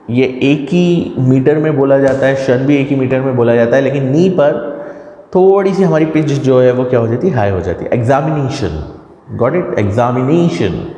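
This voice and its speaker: A man's voice: medium pitch, warm tone. An Indian man, a college teacher, lecturing a class step by step, asking and answering his own questions and correcting his slips. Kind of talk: classroom lecture mixing Hindi and English. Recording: echoey room with long reverb.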